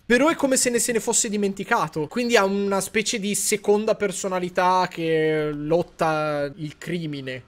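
A man's voice: high voice, normal speed, few pauses. A young man in his twenties giving casual, incredulous and sarcastic commentary on gameplay. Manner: incredulous, sarcastic, animated reactions. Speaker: gaming streamer. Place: indoor room at a streaming setup.

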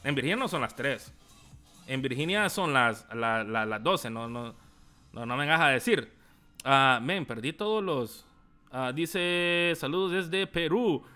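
Young Salvadoran male streamer, high bright voice, casual chat-reading delivery, faint music in the background. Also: animated, measured pace, clear, resonant tone. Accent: Salvadoran Spanish. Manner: casual, reads chat messages aloud, laughs often. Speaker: tech YouTuber. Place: small room indoors.

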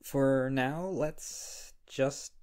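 A man playing a shy, flustered, insecure young scriptwriter in an intimate ASMR roleplay, speaking hesitantly with a husky, creaky voice. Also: medium pitch, a little mellow. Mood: bashful, processing. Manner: hesitant, halting. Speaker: audio roleplay performer. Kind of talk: ASMR roleplay, intimate one-sided dialogue.

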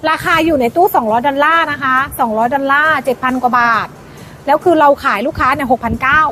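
High-pitched woman hyping a live sale. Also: quick pace, bright, forceful tone, a little hiss or hum. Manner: insistent, repeats phrases emphatically. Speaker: live-stream clothing seller. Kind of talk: fast hype live-sale pitch, casual. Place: shop front, camera moved toward outside.

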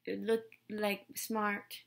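Woman as a slow, affected lifestyle guru. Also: medium pitch, completely flat delivery, vocal fry. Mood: aloof. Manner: slow, posed, broken English grammar. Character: affected, self-serious social media lifestyle guru woman. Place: small room indoors.

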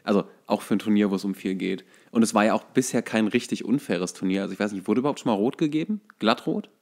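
A man's voice: lowish voice, fast talker, a little mellow. A man co-hosting a casual football chat, explaining his views and thinking aloud as he goes. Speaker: podcast co-host.

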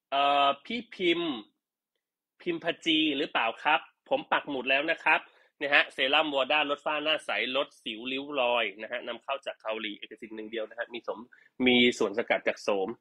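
A man's voice: medium pitch, fairly even intonation, quick pace, bright, forceful tone. A man chatting casually and teasing jokingly while selling products on a live stream.

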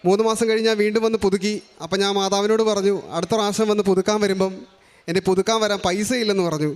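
A young man from Kerala giving an earnest, rushed personal religious testimony, often restarting his sentences. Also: sits high, steady tone. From Kerala, India. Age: young adult. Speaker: testimony giver.

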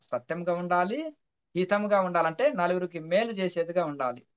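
A man's voice: high-pitched, moderate pace, smooth. A man, a spiritual teacher who explains his points patiently through a parable, repeating phrases and checking that the listener understands.

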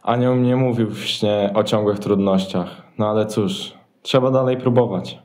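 A man's voice: fairly low pitch, steady tone, moderate pace, darkish tone, close to an everyday voice. A man playing a tired, patient husband in a Christmas radio play, with a resigned manner. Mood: weary, resigned.

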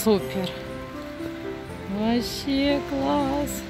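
Female family vlogger, young, slightly high voice, casual and exclamatory, handheld phone sound with music clearly behind. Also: drawn-out words. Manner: chatty, expressive, exclamatory. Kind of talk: casual vlog chat to viewers.

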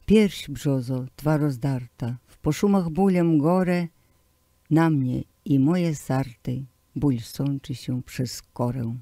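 Man reading poems for radio, slow and declamatory, mellow dark tone, dry close sound. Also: mid-range voice, no room sound. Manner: slow, declamatory recital with swelling emphasis. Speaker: poetry reader. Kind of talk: poetry recitation.

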